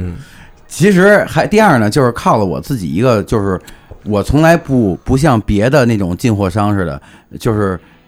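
His voice sits at a medium pitch. The man's pitch swings very widely as he talks. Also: moderate pace. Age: 40s. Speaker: guest storyteller recounting a field trip. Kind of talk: casual storytelling chat.

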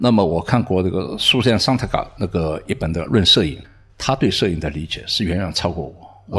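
Somewhat breathy and very deep, a man's voice carries lively intonation at a moderate pace. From Shanghai, China. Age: 60s. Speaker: artist and photographer. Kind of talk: casual interview chat.

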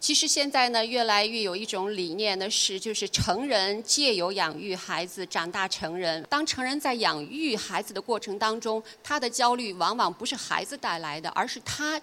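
This woman's fairly high voice has lively intonation and hardly any pauses at a moderate pace. Noticeable background noise sits behind her. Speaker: school principal and educator. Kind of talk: panel discussion.

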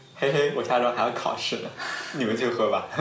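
Over noticeable background noise and audible room echo, a man talks fairly quickly in a monotone, flat intonation. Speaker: student podcast co-host. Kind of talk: casual chat.

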